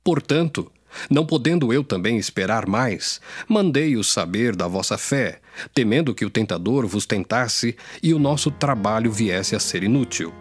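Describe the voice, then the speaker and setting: A man's voice: medium pitch, animated, moderate pace, slightly rough, no room sound. A man with a Brazilian accent giving a scripted, solemn and declamatory reading of scripture as an audio Bible. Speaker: scripture reader. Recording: music under the voice. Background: background music.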